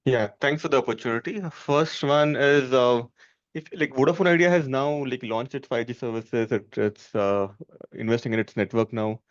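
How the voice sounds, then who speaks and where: Muffled lo-fi call, guy analyst asking a question, kinda halting, dry sound. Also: mid-range voice, no echo. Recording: dull lo-fi call audio.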